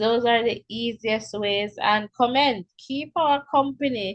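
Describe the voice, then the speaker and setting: A woman is speaking. Her pace is very slow. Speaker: live cricket commentator. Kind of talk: live commentary; livestream audience chat.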